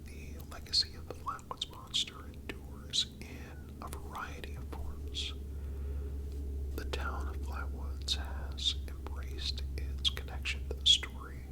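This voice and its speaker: A man narrating a scripted story for ASMR in a breathy, unvoiced whisper, deliberate and pausing between phrases. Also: extremely high pitch, poor audio.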